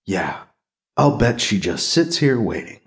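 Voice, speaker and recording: A man's voice: fairly low pitch, very animated, measured pace, pitched below the performer's own voice. A man voicing a suspicious, sarcastic male Catholic priest with a wary, sardonic, terse way of talking, in a science fiction audiobook. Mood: wary, muttering.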